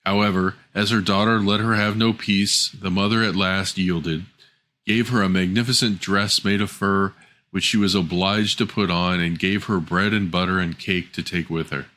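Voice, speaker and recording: A man's voice: deep voice, fairly even intonation, moderate pace, sharp tone. A man reading a scripted fairy tale as a storyteller.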